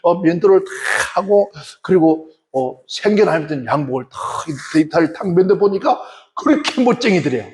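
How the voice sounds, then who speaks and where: A male pastor preaching a sermon with animated, folksy storytelling. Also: high voice, normal speed, few pauses, slight background noise.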